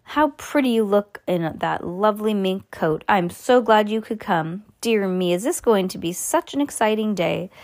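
An exuberant, eccentric little gentleman from a storybook , acted out by a woman. The voice is high and fluty, gushing with polite exclamations and effusive welcomes. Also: lively intonation, lightly acted. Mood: effusive, delighted. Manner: effusive, quick-fire exclamations and pleasantries. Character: exuberant, fussily polite, little eccentric male chocolate factory owner.

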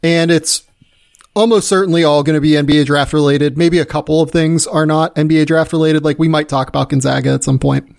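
Higher-pitched man with a creaky voice. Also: steady tone, brisk. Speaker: sports podcast host. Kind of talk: casual sports podcast chat.

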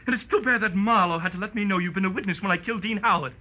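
An actor playing a cowardly murderer in a 1940s radio crime drama, by turns menacing and pleading, with a raspy, strained voice. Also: male voice, high voice, racing, sharp tone, highs cut off. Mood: cold menace.

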